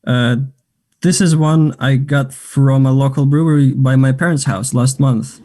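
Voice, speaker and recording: A man's voice: mid-range voice, fairly even intonation, unhurried, dark tone, close to an everyday voice. A man acting a flirtatious, self-assured gay man in a naturalistic table read of a play, chatty and teasing. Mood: friendly, chatty.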